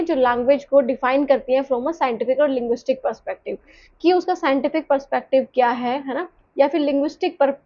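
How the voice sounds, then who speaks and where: High-voiced woman teaching, lo-fi. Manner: explanatory, repeats and rephrases points, asks questions to the viewer. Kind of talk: online lecture explaining in mixed Hindi and English. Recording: slightly dull lo-fi sound.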